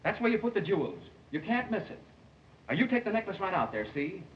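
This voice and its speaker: A scheming jewel thief in a 1920s talkie, with stagey, theatrical delivery. His raised voice swings widely in pitch, caught from a distance on a muffled, hissy film soundtrack. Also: very animated, brisk. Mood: instructing, urgent. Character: scheming male jewel thief, smooth and instructing.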